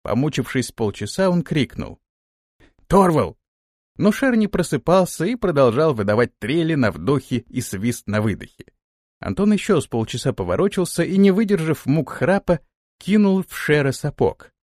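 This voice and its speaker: A man narrating an audiobook with expressive storytelling. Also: a little high, moderate pace, no room sound, clean studio sound. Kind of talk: scripted narration.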